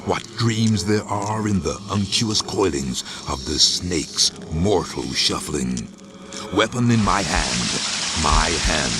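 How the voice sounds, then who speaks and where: An actor playing a brooding undead voodoo warrior and grim lord of the dead in a video game, with a very deep, gravelly voice and an ominous, theatrical, poetic delivery. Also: male voice, full character voice. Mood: ominous, grandiose. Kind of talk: dramatic scripted game monologue. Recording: long cavernous reverb, clear background noise.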